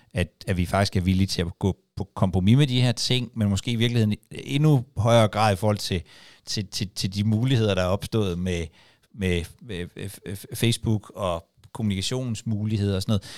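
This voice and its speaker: The speech moves at a moderate pace with ordinary pitch variation, in a very clean recording with a silent background and a dry, close sound free of echo. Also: man, fairly low pitch for a man. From West Jutland, Denmark. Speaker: podcast host. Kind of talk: interview conversation. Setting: studio. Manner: halting.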